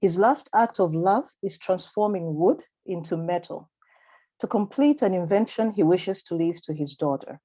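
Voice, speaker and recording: This conference speaker, a Malawian-accented woman, presents a prepared academic paper by video call. She reads in a lowish, mellow voice, keeping a deliberate, formal and measured pace.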